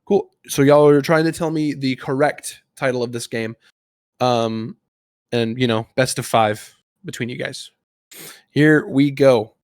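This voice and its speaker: A man's voice: medium pitch, steady tone, unhurried, darkish tone, smooth, dry recording, studio quality. A man hosting a casual gaming podcast, explaining a quiz in an informal, conversational way. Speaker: podcast host.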